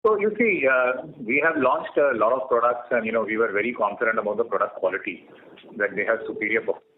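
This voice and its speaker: An Indian-accented man speaks over a narrow, tinny phone line with some noise. He gives measured, explanatory answers as a company executive, in a mid-pitched voice. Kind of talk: earnings call answers.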